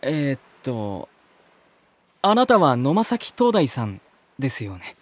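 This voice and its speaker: A man's voice: mid-range voice, huge pitch swings, takes it slowly, no echo, heavily acted. An actor playing an earnest, polite man who narrates his journey reflectively in an audio drama. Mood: hesitant.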